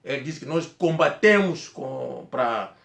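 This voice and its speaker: A man from Angola with an Angolan Portuguese accent, Kikongo being his first language, telling a personal story in a rambling, halting way with many restarts. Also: mid-range voice, expressive, gravelly, fairly bright tone, echoey room. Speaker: vlogger.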